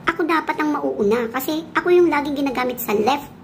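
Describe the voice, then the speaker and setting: A woman's voice: high voice, fairly quick, a little hiss or hum. Woman doing a sassy left foot.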